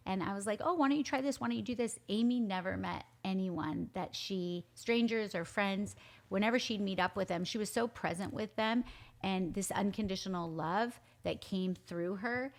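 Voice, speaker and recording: A woman's voice: medium pitch, vocal fry. A middle-aged mother, a guest on a faith podcast, speaking in a nurturing, reflective and earnest way. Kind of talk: casual heartfelt chat.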